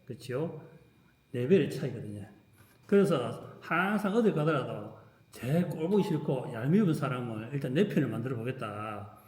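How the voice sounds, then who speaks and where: A man teaching a qigong class, emphatic, dropping to a softer voice when acting out thoughts. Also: mid-range voice, roomy sound. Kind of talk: lecture to a class.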